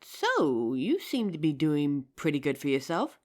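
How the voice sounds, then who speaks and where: A woman playing an injured young survivor of a zombie apocalypse in a roleplay audio drama, with halting, emotive delivery. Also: low-pitched, wildly swooping pitch, darkish tone, exaggerated voice. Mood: relieved, fond.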